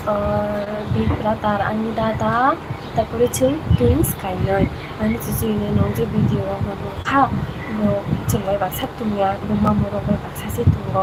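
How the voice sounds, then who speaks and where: A woman's voice: on the high side, very noisy. A young woman from Bangladesh, a vlogger chatting casually on a live stream, answering viewer comments and laughing often.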